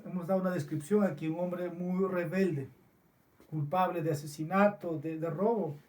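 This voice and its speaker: Slow-preaching man, distant mic. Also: fairly high pitch, darkish tone. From Peru. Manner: slow, deliberate preaching with many restarts. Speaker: pastor. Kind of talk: sermon. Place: church.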